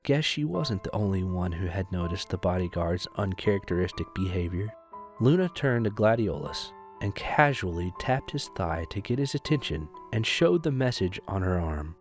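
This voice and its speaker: A man's voice: low voice, animated, normal speed. A man reading scripted narration for an audio drama. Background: music.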